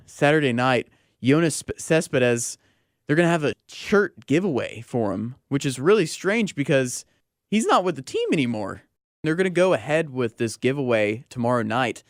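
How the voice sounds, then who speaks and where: A man's voice: medium pitch, no room sound, studio quality. A young American man hosting a sports talk radio show in a casual, slangy, conversational way.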